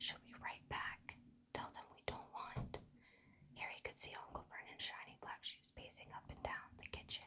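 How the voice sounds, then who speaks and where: The whispering moves along at a fairly slow pace. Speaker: audiobook reader. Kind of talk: whispered story reading. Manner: whispered.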